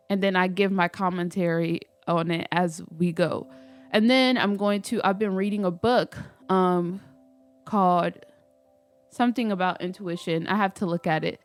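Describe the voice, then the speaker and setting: A woman vlogging casually while doing her hair, a little stuffy and nasal from a cold, rambling with lots of fillers and restarts. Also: medium pitch. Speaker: spiritual vlogger. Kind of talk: casual chat to camera.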